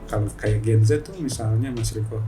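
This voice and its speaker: A man's voice: on the low side, normal speed. A man talking casually as a guest, hesitant with many fillers and easy laughter. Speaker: guest, financial office employee. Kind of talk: relaxed conversational interview. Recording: distant mic with music behind.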